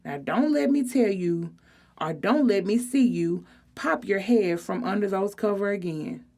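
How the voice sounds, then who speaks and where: A woman's voice: mid-range voice, a little slow, creaky, a little mellow. Woman as an exasperated, sarcastic teenage girl. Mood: bossy, exasperated. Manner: sarcastic, snappy, slangy. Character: exasperated sarcastic teenage girl narrator, bossy big sister.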